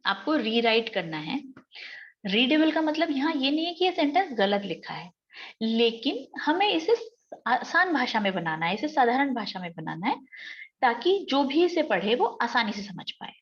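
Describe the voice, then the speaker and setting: A woman's voice: on the high side, big pitch swings, highs cut off. A woman teacher with an Indian English accent, giving an exam-prep lecture and explaining step by step. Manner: explains step by step, reads sentences out slowly.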